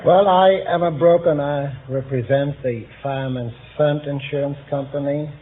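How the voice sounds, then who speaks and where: A man's voice: fairly high pitch, fairly even intonation, moderate pace. Polish-born guy on a quiz show, polite earnest answers, phone-thin old audio. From Poland. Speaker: insurance broker contestant. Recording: lo-fi 1950s broadcast audio, hiss.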